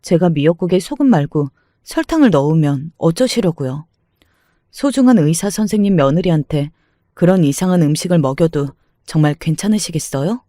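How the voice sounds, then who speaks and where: A man voicing a calm, cutting young newlywed daughter-in-law who answers politely but sarcastically. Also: on the high side, normal speed, no echo, clean studio sound, natural voice. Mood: sarcastic. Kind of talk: dramatized story reading.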